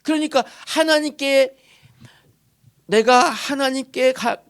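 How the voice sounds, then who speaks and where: A male pastor preaching in a church sanctuary poses questions to the congregation and answers them himself, moving from loud emphasis to soft murmurs. His voice is very high and his delivery slow.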